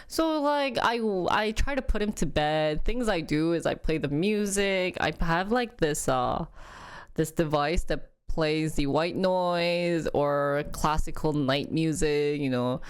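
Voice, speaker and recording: A woman in her thirties chatting casually to viewers, rambling and animated, acting out her baby's noises. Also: sits low, takes it slowly, clear, resonant tone. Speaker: vlogger talking about her baby.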